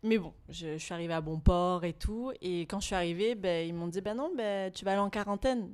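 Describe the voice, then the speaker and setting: A woman's voice: fairly low pitch, brisk, a little mellow, clear, resonant tone. A young adult woman, a podcast guest, telling a personal story in casual chat, full of fillers and quoted asides.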